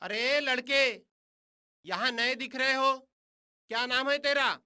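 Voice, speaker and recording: Cartoon dub: a sneering villager guarding a well, high and sharp. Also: female voice, slow, smooth, full character voice. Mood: suspicious. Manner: contemptuous, shouting for others. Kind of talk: animated film dubbing.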